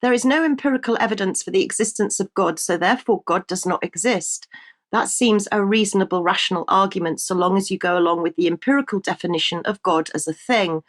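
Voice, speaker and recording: A woman hosts a current-affairs show, her voice a little croaky. She talks in a loose, conversational way at a middling pitch, stopping for ums and restarting her sentences. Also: brisk. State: slightly croaky voice. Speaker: news show presenter. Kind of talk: casual current-affairs commentary.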